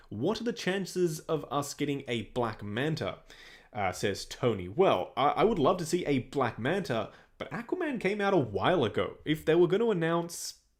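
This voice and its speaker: With an Australian accent and vocal fry, a man speaks at a fairly high pitch and a moderate pace, his pitch swinging very widely in a very clean recording with a silent background. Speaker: toy collector YouTuber. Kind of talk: livestream Q&A reading chat comments. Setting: solo livestream at home setup. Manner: casual, hesitant with fillers.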